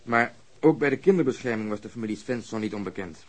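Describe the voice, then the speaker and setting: Fast-talking, husky, cynical detective. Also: male voice, fairly low pitch, lively intonation. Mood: matter-of-fact, dry. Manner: sardonic, matter-of-fact. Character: brusque, cynical, sarcastic male police detective. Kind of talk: radio drama acting.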